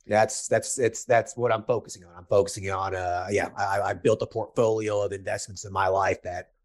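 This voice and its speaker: Male host, thirties, lowish voice; casual, blunt coaching with points hammered home. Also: steady tone, fairly quick. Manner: blunt, emphatic, repeats key points. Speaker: podcast host and business coach.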